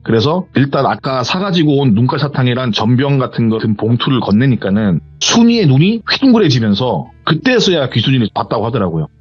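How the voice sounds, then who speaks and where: A man's voice: medium pitch, fairly quick, few pauses, breathy edge. A man retelling a viewer's horror story in a rambling, conversational way, on a muffled recording with faint music. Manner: retelling with hearsay endings, rambling and animated.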